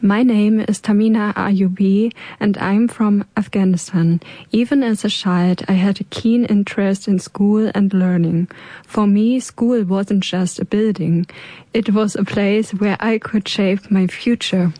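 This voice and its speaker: A woman reading an English voice-over translation of an interview in a smooth, steady way. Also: mid-range voice, unhurried, no room sound.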